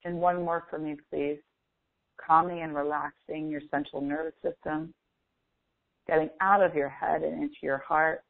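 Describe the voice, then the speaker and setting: A woman leading a guided meditation as a coach, speaking in a slow, deliberate, instructive manner with long pauses. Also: low-pitched, fairly even intonation, gravelly, no echo. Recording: phone-like thin, band-limited audio.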